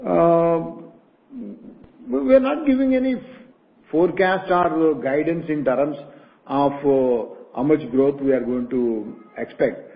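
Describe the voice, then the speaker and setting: Male exec, higher register, guarded answers, phone-line call audio. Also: gravelly. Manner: measured, cautious, restarts phrases. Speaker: company executive answering analysts.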